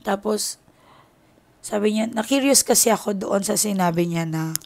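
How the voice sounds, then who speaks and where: A Filipina tarot reader talks straight to her viewers in a candid, confiding voice. Her pitch sits in a middle range, and she strings her story together with many filler connectors. The delivery is casual and unscripted. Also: moderate pace, creaky, darkish tone.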